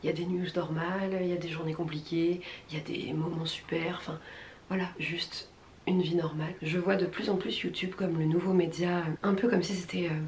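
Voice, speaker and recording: A French woman chatting casually in a vlog, her voice husky with a smoker's rasp. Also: fairly low pitch, steady tone, fairly quick, darkish tone, echoey room, slight background noise. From France, from Rouen. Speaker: vlogger.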